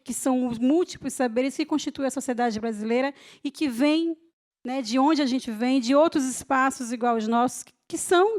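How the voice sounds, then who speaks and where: Moderadora de voz aguda e reflexiva. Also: female voice, sits high. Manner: reflective, repeats and restarts words. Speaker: moderator of the talk. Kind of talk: panel discussion.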